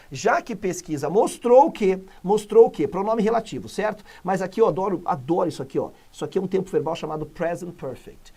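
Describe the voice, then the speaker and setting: A man from Brazil teaching English for exams in an energetic, chatty video lesson, explaining step by step with emphasis. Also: high voice, vocal fry, husky. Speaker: English teacher for exam prep.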